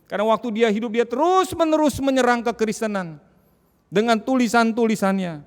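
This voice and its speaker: Male pastor, dramatic sermon, loud cries and hushed tones, smooth resonant voice, long hall reverb. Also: very high voice, fairly quick.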